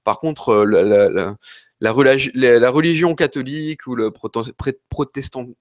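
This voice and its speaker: The host here is a Frenchman fielding viewer questions on a live Q&A stream, his mid-range voice moving at a moderate pace in a dry, studio-quality recording. Slightly ill, he coughs occasionally and talks in a rambling, hesitant, apologetic manner.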